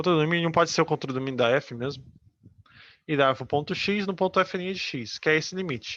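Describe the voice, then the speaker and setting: With an unremarkable speaking voice, the man pitches fairly high and varies it in an ordinary way. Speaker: math lecturer. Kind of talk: lecture.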